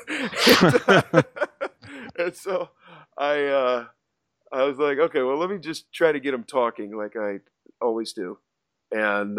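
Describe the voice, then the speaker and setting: A man's voice: mid-range voice, fairly bright tone, no room sound, studio quality. A man hosting a podcast, casually recounting a poker hand he played, with lots of fillers and restarts. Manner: storytelling with many fillers and restarts. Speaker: podcast host.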